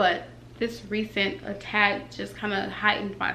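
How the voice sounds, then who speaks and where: A woman speaks at a medium pitch in an animated tone. Some room echo can be heard. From Chicago. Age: 30s. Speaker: podcast host. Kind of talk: casual monologue.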